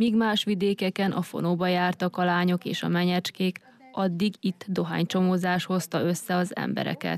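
Here is a woman with an ordinary speaking voice at medium pitch. She keeps a moderate pace and fairly even intonation. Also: dry, close sound with no echo. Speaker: TV news reporter. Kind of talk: news narration.

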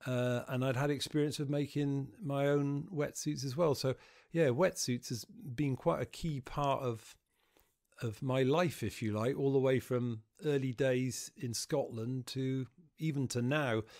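A man speaks with an English accent at a fairly slow pace and medium pitch. His intonation is fairly even, on a very clean recording with a silent background. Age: 70s. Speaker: veteran surfer and skier. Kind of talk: casual chat. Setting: at his home.

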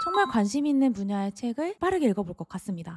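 Very wide pitch swings and a very fast pace in a somewhat breathy, dark, mellow tone, with a dry, close sound and no echo. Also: woman, very clean recording, silent background. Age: 30s. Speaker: fitness trainer and former teacher. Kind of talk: personal vlog monologue.

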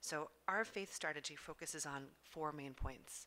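A woman speaks at a moderate pace in a very deep, low pitch with a bright, sharp tone. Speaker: development bank representative; panelist. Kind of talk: panel response. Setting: on stage at conference panel with microphone. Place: hall. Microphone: podium.

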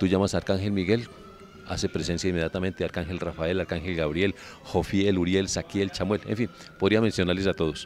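There is noticeable background noise behind this man's voice. He talks fairly quickly at a very deep, low pitch, with fairly even intonation. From Colombia, coffee region (Manizales). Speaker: travel agency representative. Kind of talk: interview.

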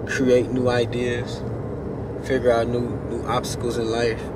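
A man at a fairly slow pace, dry sound with no echo, loud background noise behind him. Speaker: vlogger. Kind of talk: casual vlog chat. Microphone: phone near.

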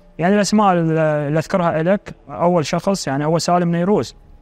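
A man talks with an Iraqi accent at a moderate pace and ordinary pitch variation. The sound is dry, with no echo. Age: 30s. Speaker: footballer; guest. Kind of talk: interview. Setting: studio. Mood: aggrieved, bitter. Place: cafe.

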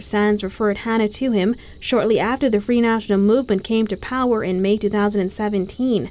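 Speaking at a fairly quick pace, a woman with a plain, everyday voice and medium pitch comes through in a very clean recording with a silent background. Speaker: news reporter. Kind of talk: news reading.

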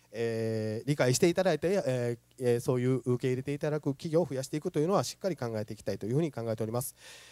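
A man's dark, mellow voice at a very fast pace with hardly any pauses and ordinary pitch variation, dry with no echo over a quiet background. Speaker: city government official. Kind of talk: committee testimony. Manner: formal. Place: meeting room. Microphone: podium.

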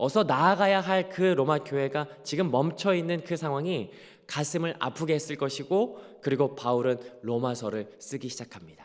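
An unremarkable speaking voice with lively intonation moves at a moderate pace in a very clean recording with a silent background. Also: man, fairly high pitch for a man. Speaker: pastor. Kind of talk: sermon.

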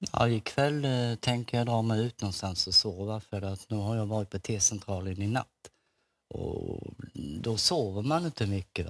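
A man talks at a moderate pace. His fairly low pitch shows ordinary variation. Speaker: homeless pensioner; interview guest. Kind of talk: TV interview. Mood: earnest, calm. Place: studio. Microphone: lapel.

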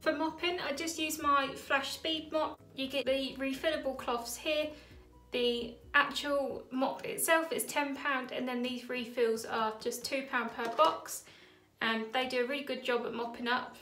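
With music in the background and audible room echo, a woman with a British accent projects a raised, high-pitched voice at a fairly slow pace. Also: ordinary pitch variation. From UK. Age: 20s. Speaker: cleaning and makeup YouTuber. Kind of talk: casual talk to camera, product rundown. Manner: casual, chatty. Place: home room. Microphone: camera far.

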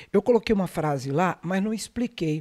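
In a Brazilian accent, a man with a dark, mellow tone speaks with lively intonation against a quiet background. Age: 50s. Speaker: TV talk show host. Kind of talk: talk show hosting. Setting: TV studio, live broadcast. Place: studio. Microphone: handheld.

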